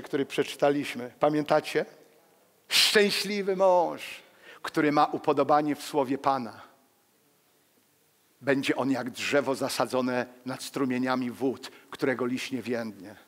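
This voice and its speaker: A man in his sixties, a pastor, preaching a lively sermon with personal stories to a congregation, acting out the quotes as he moves among the pews. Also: mid-range voice, unhurried, long pauses. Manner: animated, walks among the pews, acts out quotes. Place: church hall. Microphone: headset mic. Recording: long church reverb.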